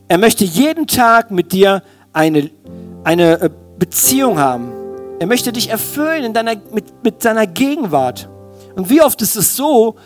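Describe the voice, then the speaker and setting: Male preacher, high voice, very lively intonation, colloquial sermon, direct address to listeners, music behind. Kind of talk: sermon in informal youth language.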